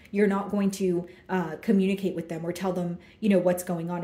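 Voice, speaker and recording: Woman doing a chill tarot reading, low-ish mellow voice, lots of likes and you knows, roomy echo. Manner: relaxed and chatty, many fillers, talking through cards as she draws them. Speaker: tarot reader. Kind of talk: casual tarot reading to camera.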